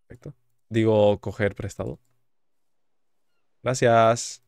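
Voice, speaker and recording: A man's voice: lowish voice, steady tone, takes it slowly, vocal fry, darkish tone, clear, resonant tone, dry recording, studio quality. A man with a Spain Spanish accent giving chatty, joking commentary while playing a video game and reading its text aloud. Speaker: gaming YouTuber. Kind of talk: gaming commentary.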